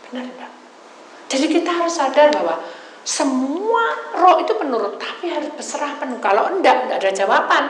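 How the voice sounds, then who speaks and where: A woman pastor, preaching a sermon with lively storytelling, calling the congregation brothers and sisters and dropping into hushed asides. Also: sits high, roomy sound, a little hiss or hum, poor audio.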